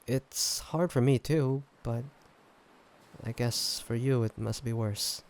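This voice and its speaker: A man playing an affectionate, teasing boyfriend in a roleplay audio drama, talking casually and haltingly with a slightly gravelly voice. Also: mid-range voice, slight background noise. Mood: tender, hesitant. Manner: casual, halting, gently teasing, chuckling delivery. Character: affectionate, teasing human boyfriend on a fancy date. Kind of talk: roleplay audio drama, intimate one-sided conversation.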